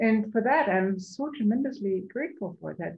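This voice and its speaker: A woman talks at a moderate pace, her voice somewhat breathy. Her pitch swings very widely. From Germany. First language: German. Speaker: essayist. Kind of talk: panel discussion. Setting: video call. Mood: reflective, earnest. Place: home room. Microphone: video call.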